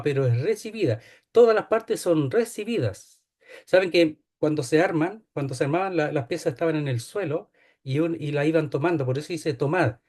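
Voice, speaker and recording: A man with a slightly high, darkish voice leads a Bible study, explaining a passage. He repeats key phrases and frequently checks in by asking "¿ya?".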